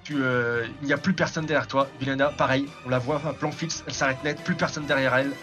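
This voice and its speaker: A man's voice: mid-range voice, steady tone, fast, bright, forceful tone, faint music behind. A man improvising narration as game master of a tabletop role-playing game, often repeating words and phrases.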